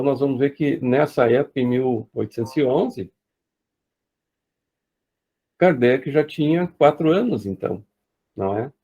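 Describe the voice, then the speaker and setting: A man from Brazil leads a study group, talking through his material at an unhurried pace and often restarting his phrases. His voice is dark and mellow at a middle pitch. The recording sounds dull and lo-fi. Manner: unhurried, hesitant, frequent fillers and restarts. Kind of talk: spiritist study lecture.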